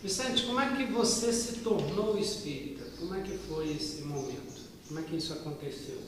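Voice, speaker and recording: A man conducting an oral-history interview, introducing his guest in a formal, measured way. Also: high voice, lively intonation, crowd noise. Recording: echoey room, mic far off, hiss.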